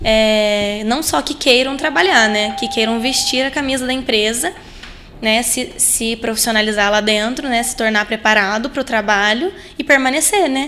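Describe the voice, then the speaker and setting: Ordinary pitch variation amid noticeable background noise. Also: woman, fairly high pitch for a woman, moderate pace. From southern Minas Gerais, Brazil (Itajubá). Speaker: optical store manager. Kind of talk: casual interview.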